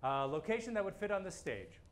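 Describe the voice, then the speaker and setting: A man's voice: high voice, big pitch swings, fairly quick. A man performing improvised comedy on stage, jokey, with mumbled asides. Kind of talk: improvised comedy scene and song. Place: small theater stage.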